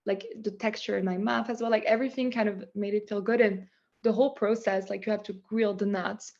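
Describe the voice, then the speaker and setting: A woman's voice: mid-range voice, fairly quick, creaky. Young french woman talking about her business, lots of "like", sounds a bit muffled. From France. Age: young adult. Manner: chatty, many "like" fillers, animated. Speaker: guest, founder of a nut butter business. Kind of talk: casual interview chat.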